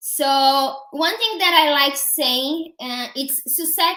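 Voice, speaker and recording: Speaking with a Portuguese accent, a woman uses lively intonation and a bright, sharp tone at a high pitch. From Brazil. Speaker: affiliate marketer. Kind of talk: webinar training. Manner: halting, many fillers.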